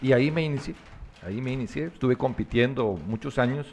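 Here a man speaks with a Guatemalan accent at a medium pitch. His pace is moderate, with ordinary pitch variation. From Guatemala, Jutiapa. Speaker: mountain biker. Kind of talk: casual chat.

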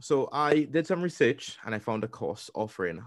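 A man's pitch swings very widely on a very clean recording with a silent background. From Trinidad and Tobago. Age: 30s. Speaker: radio presenter. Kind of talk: interview. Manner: animated.

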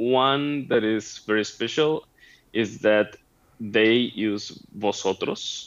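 A man talks at a very slow pace in a Mexican accent. His pitch is medium, with ordinary pitch variation. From Mexico. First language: Spanish. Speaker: Spanish teacher. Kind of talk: interview.

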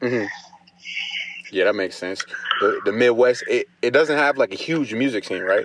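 Noticeable background noise accompanies a man speaking in an American accent. He keeps a moderate pace but takes long, frequent pauses. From Ohio. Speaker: podcast host. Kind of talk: phone interview; scripted intro.

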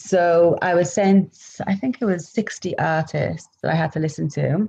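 A woman speaks with a Cardiff accent. Her tone is dark and mellow and somewhat breathy. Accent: Cardiff Welsh English. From Wales. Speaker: DJ. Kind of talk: casual interview.

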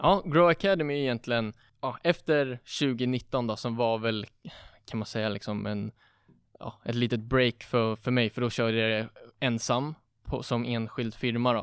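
At a moderate pace and medium pitch, a man talks with ordinary pitch variation and an unremarkable speaking voice, in a very clean recording with a silent background and a dry, close sound with no echo. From Sweden, Södertälje. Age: 20s. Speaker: entrepreneur. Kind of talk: casual chat.

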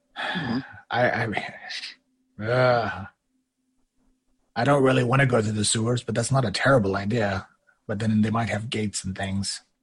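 In a put-on character voice, a man talks with a raspy sound at medium pitch, a moderate pace, fairly even intonation and long, frequent pauses. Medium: actual play. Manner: sardonic, literal-minded.

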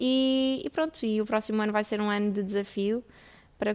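In a plain, everyday voice, a woman with a fairly high pitch talks at a moderate pace with fairly even intonation. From Portugal, Coimbra. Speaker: singer. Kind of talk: interview.

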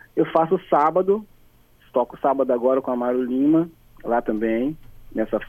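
With a normal speaking voice, a man talks at medium pitch and a fairly quick pace, his pitch varying in the usual way. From Vitória, Espírito Santo, Brazil. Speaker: musician and beatmaker. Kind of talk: radio interview.

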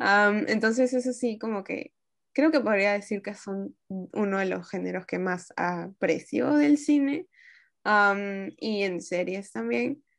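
Against a quiet background, a woman talks at a very slow pace and a medium pitch. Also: lively intonation. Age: 20s. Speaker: podcast co-host. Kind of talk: casual chat. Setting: video call.

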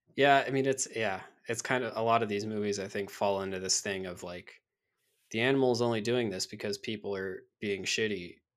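This man has an unremarkable speaking voice, fairly low in pitch and fairly quick in pace, on a very clean recording with a silent background. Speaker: guest co-commenting on movie. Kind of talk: casual chat about a movie.

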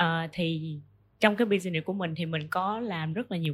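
Speaking at a moderate pace, a woman with a fairly low pitch and a somewhat breathy voice uses lively intonation in a very clean recording with a silent background. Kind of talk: casual interview chat.

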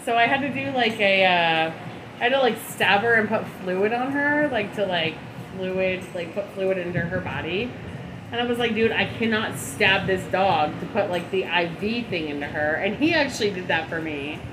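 A woman with an American accent speaks with lively intonation amid noticeable background noise and audible room echo. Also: medium pitch for a woman, moderate pace. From Las Vegas, US. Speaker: interviewee sharing pet stories. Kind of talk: casual chat.

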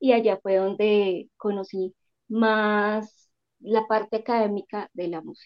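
Talking at a very slow pace, a woman with a fairly high pitch shows big swings in loudness. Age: 30s. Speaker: music teacher. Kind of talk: interview.

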